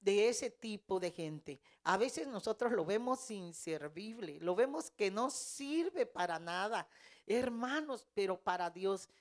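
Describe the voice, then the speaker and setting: A woman's voice: medium pitch, lively intonation, slow pace. A middle-aged woman giving a fervent Christian testimony in an interview, telling her story with emotion. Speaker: care home director.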